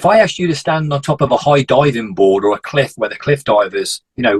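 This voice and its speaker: A man with an English Midlands accent talks fairly quickly at a fairly high pitch, with lively intonation. His voice is somewhat breathy, the sound dry and close with no echo. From Coventry, England. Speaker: retired game developer and martial artist. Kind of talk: interview, explaining analogy.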